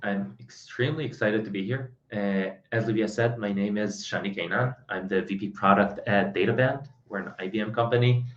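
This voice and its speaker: Man with a cold, fairly low voice, roomy echo, dull lo-fi sound, presenting a tech talk. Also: a little fast, few pauses. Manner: relaxed, self-deprecating, many "uh" fillers. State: has a cold. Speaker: product executive, conference speaker.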